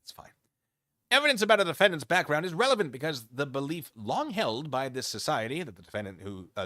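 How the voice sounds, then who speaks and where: A man's voice: fairly high pitch, sharp tone, no room sound. A man streaming off-the-cuff commentary as he reads a document aloud, dropping mocking, theatrical asides. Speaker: commentary streamer, channel host.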